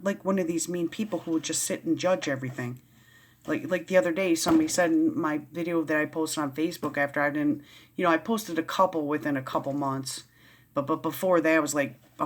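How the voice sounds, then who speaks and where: Woman vlogger, casual read-aloud with riled, rambling asides. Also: deep voice. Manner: rambling, easily riled, many restarts. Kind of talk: casual reading and commentary.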